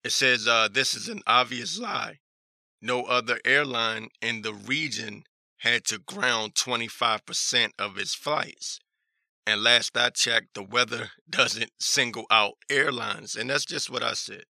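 A talk show host with a hoarse voice gives casual news commentary, reading articles aloud in a skeptical manner while halting and repeating himself. His voice is medium in pitch with a sharp tone, and there's no echo.

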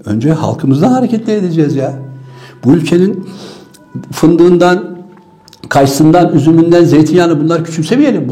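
A man's voice: sits high, dark tone. A man giving an impassioned political monologue, fiery and scornful, firing off rhetorical questions and sounding weary. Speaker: political commentator.

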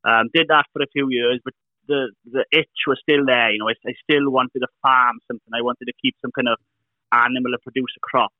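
A man's voice: medium pitch, fairly quick, dry recording. Welsh man on a tinny call line. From Wales. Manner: relaxed storytelling with frequent repeats. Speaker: beekeeper guest. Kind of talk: casual interview over a call. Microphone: remote call.

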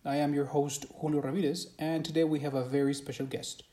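Guy hosting an english podcast, warm voice, lots of uh, roomy echo. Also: a little high, flat delivery, fairly quick. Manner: friendly, hesitant with many fillers. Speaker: podcast host and English teacher. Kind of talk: casual interview chat. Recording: echoey room.

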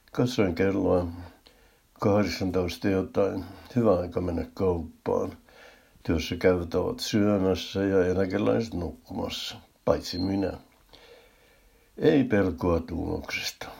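An older man telling a humorous first-person story in a dry, deadpan way. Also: low-pitched, vocal fry, husky.

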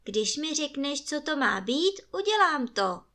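A woman's voice: high voice, sing-song, fairly bright tone, voice pushed up. A woman voicing an eager young wanderer in a storybook reading.

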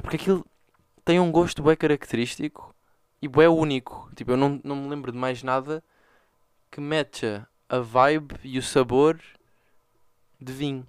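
A young man with a European Portuguese accent, talking casually and jokingly on his own podcast, full of slang and excited storytelling. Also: mid-range voice, clean tone, dry recording, clean studio sound. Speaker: podcast host. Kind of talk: casual solo podcast monologue.

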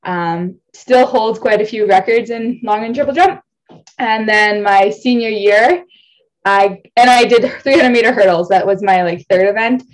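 A woman's voice: medium pitch, normal speed, rough recording. A young woman from Ontario, an athlete guest in a casual interview on a video call, chatty and self-deprecating, laughing often and rambling. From Ontario, Canada.

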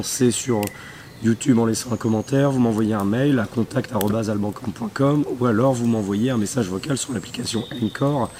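Hoarse male podcast host, casual and chatty, recorded outdoors with clear background noise. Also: medium pitch. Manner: relaxed, chatty, many fillers. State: hoarse, losing his voice. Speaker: podcast host and bushcraft instructor. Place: outdoors at a rural bushcraft camp.

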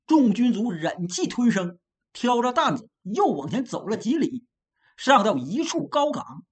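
A woman storyteller narrating a classic novel with a lively, expressive delivery. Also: a little high, measured pace.

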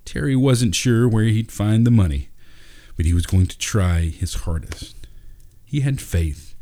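Male narrator for short fiction; low-pitched voice, scripted storytelling delivery. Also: unhurried, dark tone.

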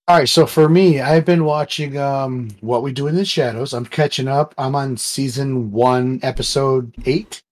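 A man co-hosting a podcast, chatting casually, halting and repeating words as he searches for what to say. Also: medium pitch, steady tone. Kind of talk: casual chat.

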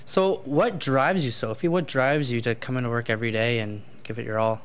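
A man's voice: mid-range voice, fairly even intonation, clear, resonant tone. A man hosting a company interview show, enthusiastic and encouraging as he introduces and questions colleagues. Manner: enthusiastic, encouraging, quick asides. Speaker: show host.

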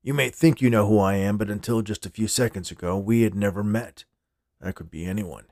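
A man voicing a gruff, stern male security chief in audio fiction, blunt and commanding, with terse, no-nonsense delivery. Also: lowish voice, brisk, darkish tone, no echo, studio quality, lightly acted. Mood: stern warning. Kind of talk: audio fiction character dialogue.

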